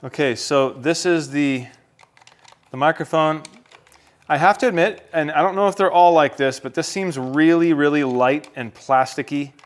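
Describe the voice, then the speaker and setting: A man's voice: on the high side, normal speed. An American man talking casually to viewers as a vlogger, in an unboxing and how-to style. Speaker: vlogger reviewing a product.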